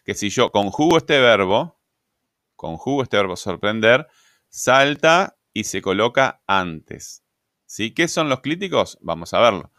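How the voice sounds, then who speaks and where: A grammar teacher with a fairly low, sing-song voice and fairly bright tone lectures a little slowly, explaining patiently and posing rhetorical questions. He keeps checking in with fillers like "¿verdad?" and "este". The recording is dry and studio quality.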